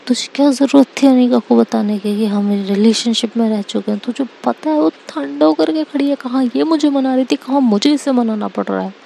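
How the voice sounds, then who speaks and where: A woman's voice: on the high side, brisk, gravelly, few pauses, mellow, a little hiss or hum. A woman voicing an exasperated young woman caught between two girlfriends, complaining dramatically in a storybook reading.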